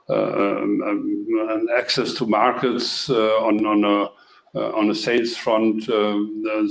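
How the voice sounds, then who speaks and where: A somewhat low male voice answers investor questions on an echoey call. The intonation stays level and the explanation comes haltingly, as from a company executive. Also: creaky.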